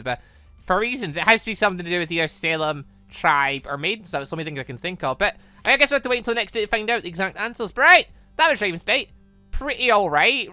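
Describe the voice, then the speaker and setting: A man's voice: on the high side, bright, forceful tone, dry recording. A young man doing casual game commentary, rambling and trailing off into nonsense syllables. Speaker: gaming channel host. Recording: music behind the voice.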